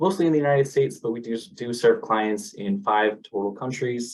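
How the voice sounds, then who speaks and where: In an American accent, a man at a medium pitch talks at a fairly quick pace with lively intonation. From Southern California. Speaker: account executive, webinar presenter. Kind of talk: webinar presentation. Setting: video call.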